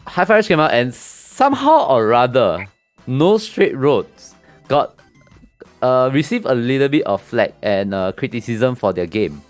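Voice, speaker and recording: A man's voice: big pitch swings, measured pace, soft background music. A man hosting a casual games talk show, loose and chatty with many fillers and restarts. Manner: mocks angry gamers in a high put-on voice. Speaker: podcast host. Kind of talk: casual group chat about games.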